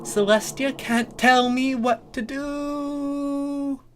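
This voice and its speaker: Casting: obnoxious little-sister pony princess for a comic story, very high, squealing, gleeful. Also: fairly even intonation, extremely slow, slight background noise. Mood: taunting.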